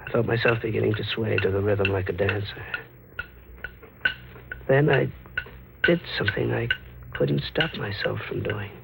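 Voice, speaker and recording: Haunted American fugitive, old radio horror. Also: male voice, fairly low pitch, fairly even intonation, moderate pace, vocal fry, long pauses, background noise. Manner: terse, dramatic delivery in short clipped sentences. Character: wounded, feverish, haunted man on the run. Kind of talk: 1940s American radio horror acting, first-person narration. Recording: old radio recording with music behind. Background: music.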